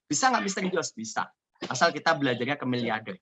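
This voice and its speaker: A man from Indonesia giving an energetic, joking motivational business talk over a video call. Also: medium pitch, fast talker, background noise. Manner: energetic, joking, repeats "ya" often. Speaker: seminar speaker.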